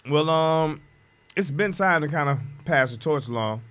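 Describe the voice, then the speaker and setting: A man's voice: fairly high pitch, expressive, normal speed, fairly bright tone. A man, talking as a guest DJ in a casual radio interview, laid-back and drawling, chuckling between thoughts. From Detroit, USA.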